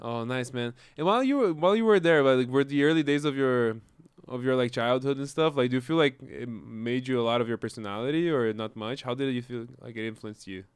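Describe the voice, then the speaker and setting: A podcast host with a Brazilian Portuguese accent asks enthusiastic, rambling questions in an interview, full of "likes" and restarts. His medium-pitched voice is brisk, clear and resonant, and the recording is dry.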